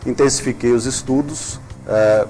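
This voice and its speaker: A man, a prosecutor guest in a studio interview, speaking in a measured, formal way with frequent hesitations. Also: medium pitch, steady tone, darkish tone. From Brazil. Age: 50s.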